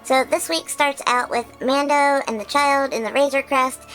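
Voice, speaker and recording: A woman voicing an excitable, childlike male creature who hosts a chatty episode recap, bubbly and full of giggles and squeals. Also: high voice, normal speed, faint music behind, rough recording. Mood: excited recap. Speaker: recap host.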